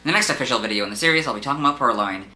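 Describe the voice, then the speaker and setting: A man giving upbeat, energetic scripted narration for a video. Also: medium pitch, reverberant. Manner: energetic, rapid delivery.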